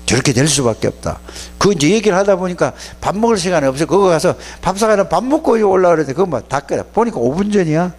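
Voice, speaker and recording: Animated male pastor preaching to youth. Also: high-pitched, quick pace, few pauses. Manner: animated, scolding, plain-spoken storytelling. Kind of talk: sermon to youth.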